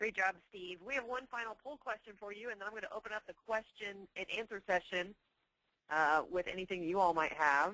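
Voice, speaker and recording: Speaking at a fairly quick pace, a woman of medium pitch has a bright, sharp tone and ordinary pitch variation in a dry, close sound with no echo. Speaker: webinar host and editor. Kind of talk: webinar moderation.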